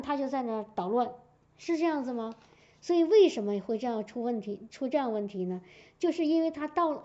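A woman preaching a sermon in a lively storytelling way, checking in often with her listeners. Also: high voice. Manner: lively storytelling with frequent "明白我的意思吧" asides. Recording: dull lo-fi recording.

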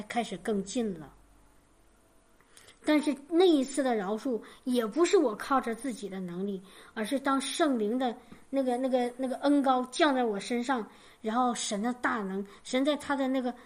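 Woman preacher, high register; fervent sermon delivery with hammered repetitions and stumbling restarts. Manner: fervent, repeats key phrases for emphasis; frequent stammered restarts. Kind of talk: sermon with personal testimony.

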